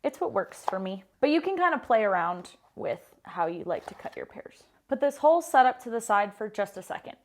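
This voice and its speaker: A woman's voice: mid-range voice, big pitch swings, a little fast, hardly any pauses, a little hiss or hum. An American woman in her thirties, a pastry chef hosting a casual home cooking tutorial in her kitchen, upbeat and chatty with lots of "like" fillers. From United States. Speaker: baker and pastry chef, cooking show host.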